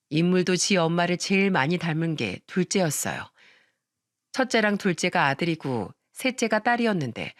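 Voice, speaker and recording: A narrator telling a radio story in a calm, confessional storytelling manner. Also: mid-range voice, dry recording, studio quality.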